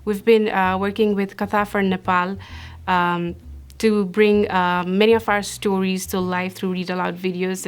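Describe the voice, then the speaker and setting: A woman's voice: mid-range voice, clean tone. A woman giving a prepared promotional statement as a representative of an organization.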